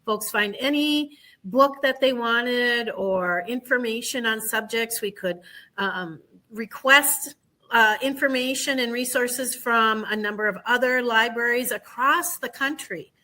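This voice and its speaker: Woman, bright clear tone, unhurried radio guest. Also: on the high side. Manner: warm, measured, many fillers. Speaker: state senator and guest. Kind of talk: casual radio conversation.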